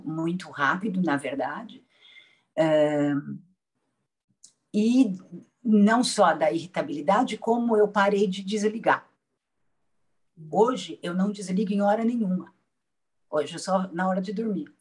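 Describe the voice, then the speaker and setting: A woman's voice: on the low side, darkish tone. A woman from Brazil, a patient, telling her experience in a casual roundtable, reflective and hesitant with restarts.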